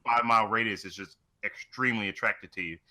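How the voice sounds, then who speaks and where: A man with a very bright, forceful voice on the low side, co-hosting a video game chat. He explains things informally, like retelling a story to a friend. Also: steady tone, fairly quick. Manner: informal, loose storytelling with mild swearing. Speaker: podcast co-host. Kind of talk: casual chat about video games.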